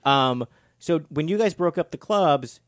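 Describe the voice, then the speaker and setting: A man's voice: fairly high pitch, lively intonation, measured pace, no room sound, studio quality. A podcast host in his forties chatting casually, rambling and poking fun at himself. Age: 40s. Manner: chatty, rambling, self-mocking. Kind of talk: casual chat.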